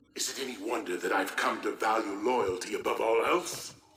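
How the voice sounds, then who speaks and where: A man's cartoonish character voice at a fairly quick pace. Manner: cold, measured, commanding.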